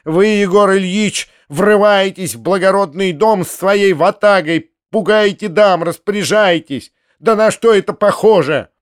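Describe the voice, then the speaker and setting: A man's voice: high-pitched, measured pace, hardly any pauses, smooth, voice pushed up. A man doing a shrieking furious noblewoman. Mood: indignant. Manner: shrieking, scolding tirade. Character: furious shrill middle-aged noblewoman, screeching. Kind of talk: audiobook character voice.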